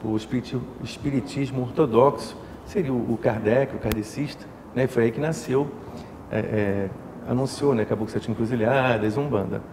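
In an interview, a man who leads an umbanda house explains his faith thoughtfully, full of fillers and tag questions. His voice is medium-pitched at a moderate pace. He's in an indoor temple room with an altar, and the room is echoey with a faint hiss.

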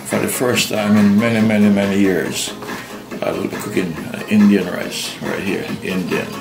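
A man's voice: lowish voice, steady tone, normal speed, vocal fry, low-quality recording. A man giving a casual home cooking demonstration in his kitchen, repeating himself and affirming with frequent yeses. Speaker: home cooking channel host. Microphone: off-camera, hands only in frame. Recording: loud background music. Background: music.

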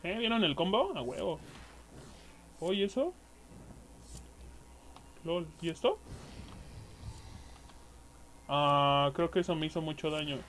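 A young Mexican man doing casual gameplay commentary, excitable, swearing and yelling at enemies. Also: on the high side, measured pace, long pauses, a little hiss or hum. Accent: Mexican Spanish. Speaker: gaming youtuber.

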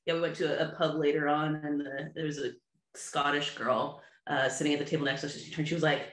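An American woman co-hosting a podcast, telling stories in a lively, laughing way. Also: deep voice. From United States. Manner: animated storyteller, quick laughs. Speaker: podcast co-host. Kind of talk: casual chat. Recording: roomy echo.

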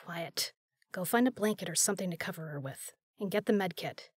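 A woman's voice: fairly low pitch, fairly quick, breathy edge, no echo, studio quality. An actress playing a tough, commanding but caring female spy in an intimate audio drama. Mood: brisk.

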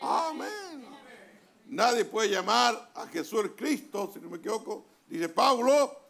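A man with a Chilean accent, a pastor preaching a sermon in a church hall, pausing often and calling for amens. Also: sits high, lively intonation, creaky, fairly bright tone. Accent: Chilean Spanish. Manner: deliberate preaching with pauses, calls of amen. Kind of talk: sermon reading from a translated message.

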